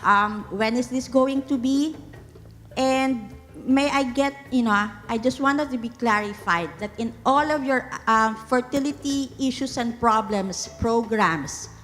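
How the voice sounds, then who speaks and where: A woman's voice: fairly high pitch, a bit bright. A woman in the audience asking a long, rambling question at a conference. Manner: rambling, searching for words. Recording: echoey hall with faint music.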